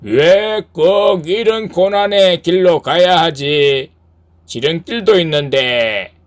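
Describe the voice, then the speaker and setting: A man's voice: a little high, slow pace, voice pushed up. A man voicing a sly male devil who coaxes and needles, in a storybook-style reading. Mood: wheedling. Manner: coaxing, needling.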